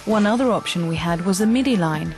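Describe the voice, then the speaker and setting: A proud farmer's wife. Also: female voice, fairly low pitch, animated, brisk. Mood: content. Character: proud dairy farmer's wife, practical and content. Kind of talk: scripted promotional voice-over. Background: music.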